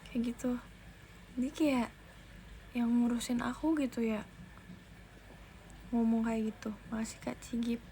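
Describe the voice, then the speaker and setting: A woman's voice: a little high, little pitch movement, a little slow, long pauses, dark tone, a little hiss or hum. Chatty young woman on a livestream. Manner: chatty, thanks viewers, restarts sentences. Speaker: idol livestreamer. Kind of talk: casual livestream chat. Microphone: phone.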